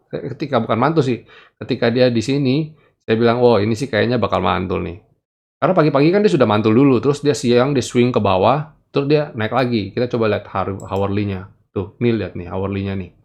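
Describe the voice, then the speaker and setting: A man coaching stock traders in casual market commentary over charts, blunt and animated. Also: creaky. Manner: animated, wide swings in pitch, blunt warnings. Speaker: stock trading educator.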